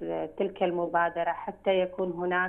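Against a quiet background, a woman is speaking. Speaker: council member on phone. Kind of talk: interview answer. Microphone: phone line.

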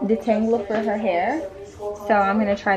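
Noticeable noise sits in the background. A woman speaks at a moderate speed. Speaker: home vlogger. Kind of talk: casual vlog chat. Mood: calm, soft, a bit somber. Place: kitchen. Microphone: phone near.

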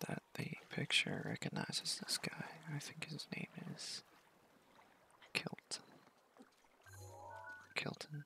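Whispered speech at a very slow pace, broken by long, frequent pauses, with music in the background. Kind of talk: ASMR gaming commentary. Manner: soft-spoken.

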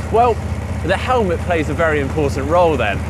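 A man's voice comes through with a dry sound and no echo. Noticeable background noise is present. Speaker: presenter. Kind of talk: presenter explainer.

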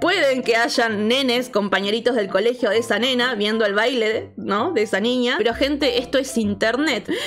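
In a Rioplatense accent, the speaker talks at a moderate pace in an animated tone, with ordinary pitch variation, very even loudness and music in the background. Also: woman. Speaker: YouTuber and illustrator. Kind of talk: commentary monologue.

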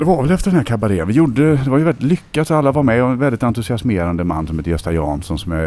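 A male voice with very wide pitch swings amid noticeable background noise. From western Sweden, Lerum near Gothenburg. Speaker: actor. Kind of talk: interview. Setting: hotel lobby.

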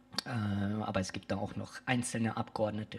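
Moderate pacing from a man with a fairly low pitch. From Rhineland, western Germany. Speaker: political communication expert; guest. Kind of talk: radio interview. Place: bar. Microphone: handheld.

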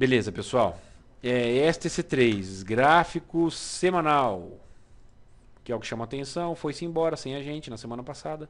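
With lively intonation and big swings in loudness, a man talks at a fairly slow pace. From Brazil. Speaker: stock market trading instructor. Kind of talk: live trading class. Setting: live online broadcast. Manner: casual, conversational. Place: home room. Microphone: headset.

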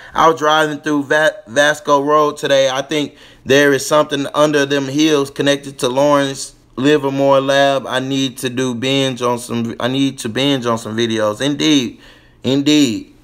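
Against a quiet background, a man with a fairly high pitch speaks at a moderate pace in a monotone, flat intonation. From California. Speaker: YouTube live streamer. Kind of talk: casual livestream chat. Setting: livestream, reading chat. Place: home room. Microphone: webcam.

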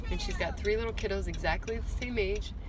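A woman talks at a moderate pace in a dry sound with no echo, with loud background noise behind her. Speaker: family vlogger. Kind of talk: casual vlog chat. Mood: warm, reflective. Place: car. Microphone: phone near.

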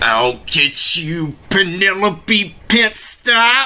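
At a very slow pace, the speaker uses a put-on character voice with a middle pitch. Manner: sneaky, scheming.

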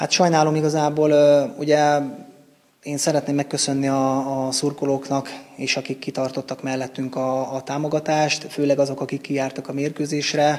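The speaker is a man with a fairly high pitch. His intonation is monotone and flat. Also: moderate pace. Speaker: football club manager. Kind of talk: interview.

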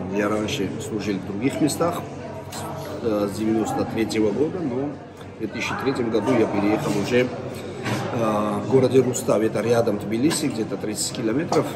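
Loud background noise fills the clip. Over it, a man talks at a fairly slow pace. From Georgia (Tbilisi). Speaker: church pastor. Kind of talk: interview, sermon-style prayer. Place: cafe. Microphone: phone near.

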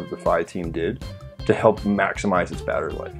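Faint music plays in the background while a man talks at a fairly quick pace. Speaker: product reviewer. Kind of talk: product review talk. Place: home room.

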